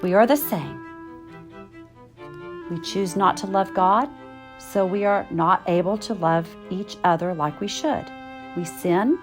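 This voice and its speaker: A middle-aged woman reading a children's picture book aloud with expressive, emphatic phrasing for young listeners. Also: lowish voice. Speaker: storytime reader.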